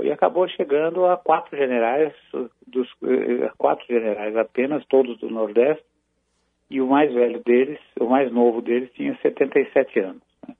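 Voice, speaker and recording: A Brazilian man analyses military matters over a tinny phone line. His voice is gravelly and dry, and he speaks in a measured, halting way with frequent restarts. It sounds like a phone-in segment on a news program. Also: medium pitch, no room sound. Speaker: commentator on military affairs.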